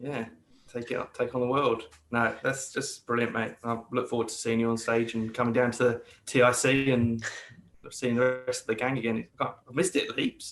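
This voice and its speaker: The man's intonation stays flat and monotone. He talks at a moderate pace with a medium pitch. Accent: English. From London, England. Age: 30s. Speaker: improv hobbyist, finance worker. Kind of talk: casual chat. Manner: hesitant, many fillers.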